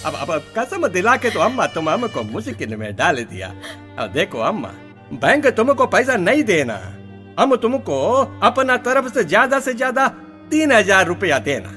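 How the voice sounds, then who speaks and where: Grudging, condescending moneylender, South Indian accent, radio drama, highly animated haggling. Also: male voice, moderate pace, faint music behind, exaggerated voice. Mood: reluctant bargaining. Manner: broken Hindi, haggling, condescending. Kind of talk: Hindi radio play acting.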